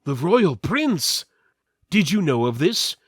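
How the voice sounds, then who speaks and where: A man's voice: fairly high pitch, sing-song, slow, slightly rough, no room sound, studio quality, voice pushed up, exaggerated voice. A man voicing an earnest, brawny adventuring hero in a melodramatic fantasy reading, fiercely loyal. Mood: shocked. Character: earnest, brawny axe-wielding hero loyal to his friend.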